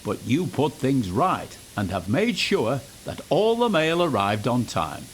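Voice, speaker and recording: A man's voice: mid-range voice, wildly swooping pitch, a little slow, a little hiss or hum, poor audio. A man voicing an authoritative, approving older railway director in a children's storybook.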